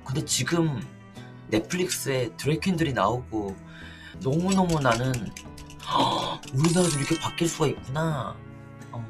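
A man's voice: medium pitch, animated, unhurried. A middle-aged man telling stories in a frank, casual, conversational way as a livestream co-host. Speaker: livestream co-host and drag show performer. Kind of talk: casual chat and storytelling. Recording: loud music behind the voice.

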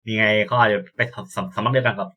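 A young man commentating as he plays a visual novel, excitable and swearing, sometimes stumbling over words. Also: lowish voice, fast talker. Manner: excitable, yelps and swears at scares; reads game lines aloud, stammering. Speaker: gameplay streamer. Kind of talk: casual let's-play commentary.

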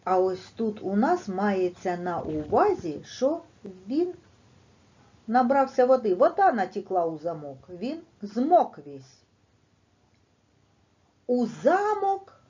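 Woman primary teacher, leans hard on key words, swoops up and down, slow and patient. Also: medium pitch. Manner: slow and deliberate, stressing words emphatically; lively, sing-song delivery for children. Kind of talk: teaching a lesson to young children. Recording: dull, lo-fi recording.

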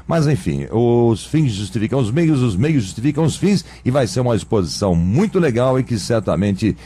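A man's voice: medium pitch, sing-song, normal speed, mellow, husky. A man with a Brazilian Portuguese accent hosting a radio interview, chatty with jokey asides. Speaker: radio host.

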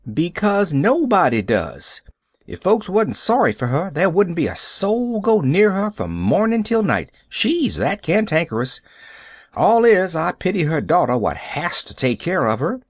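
A man's voice: high voice, sing-song, measured pace, slightly rough, dry recording, clean studio sound, pitched above the performer's own voice, full character voice. A man voicing a sour, gossipy country housemaid who grumbles in rustic dialect. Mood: sour grumbling.

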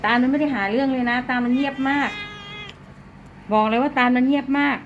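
A woman's voice: sits high, fairly even intonation, brisk, highs cut off, a little hiss or hum. Chatty woman talking to her cats. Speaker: cat and rabbit keeper filming her pets. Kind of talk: casual vlog talk to pets and viewers.

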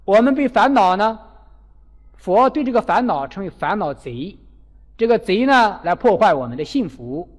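A man giving a Buddhist dharma talk as a lively storytelling sermon, acting out the people in his stories. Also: high-pitched, normal speed. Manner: animated, acts out quoted characters. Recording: long hall reverb.

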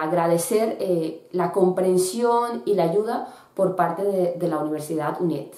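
A woman in her thirties talks to camera in a bright room by a window, pausing often with fillers and restarting her sentences. Her voice is soft and mellow, and the room gives it a noticeable echo. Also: medium pitch. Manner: hesitant, many fillers and restarts. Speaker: student vlogger. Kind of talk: casual explanatory vlog.

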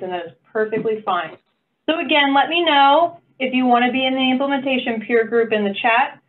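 A woman running an online stakeholder meeting, upbeat and encouraging with playful asides. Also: a little high. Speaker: meeting facilitator. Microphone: video call. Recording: phone-like video call audio.

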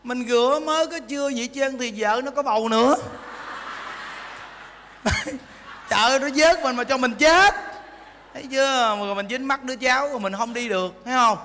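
High bright-voiced monk. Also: male voice, fairly quick, long pauses, slight background noise. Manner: animated, joking, acts out voices, asks the audience. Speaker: Buddhist monk teacher. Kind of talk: folksy dharma talk. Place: temple hall. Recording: long hall reverb.

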